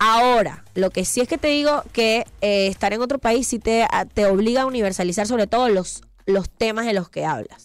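Using ordinary pitch variation, a woman with a Venezuelan accent speaks at a moderate pace and a fairly high pitch. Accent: Venezuelan, kept. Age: 20s. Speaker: stand-up comedian. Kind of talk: casual chat.

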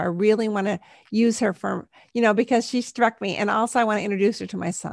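Talking at a very fast pace, a woman with an American accent uses a fairly high pitch, ordinary pitch variation and vocal fry, recorded with a dry, close sound and no echo. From Southern California. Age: 60s. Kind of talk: casual interview chat. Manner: humorous.

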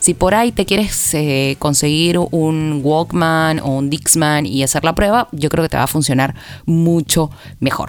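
A woman with a very deep, low pitch talks fairly slowly, her pitch varying in an ordinary way. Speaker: podcast host. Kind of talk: casual monologue. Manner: sleepy, soft delivery.

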